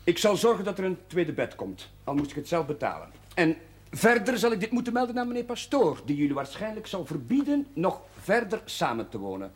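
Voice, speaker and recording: An earnest Catholic priest in a Dutch television drama. His slightly husky voice sits rather high and moves in lively swings, hesitant and formal, with a kindly but admonishing manner. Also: brisk, full character voice. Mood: stern, admonishing.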